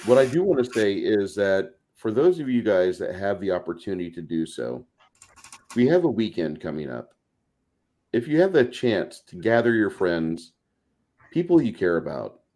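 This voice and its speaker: A man's voice: low-pitched, dark tone. A man talking casually and emphatically as an opinionated, salty-tongued panelist on a tabletop gaming show. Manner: foul-mouthed, emphatic. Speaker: podcast panelist.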